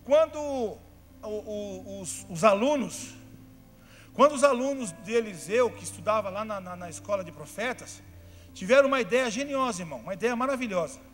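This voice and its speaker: Brazilian male pastor, sermon, very high voice, long church reverb, soft music underneath. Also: animated, normal speed. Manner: chatty storytelling that builds to fervent shouting. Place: church hall. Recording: reverberant church hall, faint music behind.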